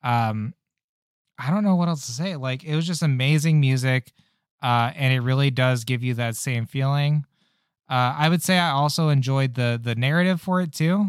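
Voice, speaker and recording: Smooth-voiced man chatting casually. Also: mid-range voice, moderate pace, dry recording, studio quality. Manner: relaxed, rambling with many fillers. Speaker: podcast co-host. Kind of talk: casual chat about game demos.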